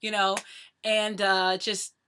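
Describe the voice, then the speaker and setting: A woman in her thirties chatting casually to her viewers in a playful way, talking very fast. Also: medium pitch, little pitch movement, bright, forceful tone, clear, resonant tone. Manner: talks very fast. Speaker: vlogger. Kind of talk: casual chat to camera.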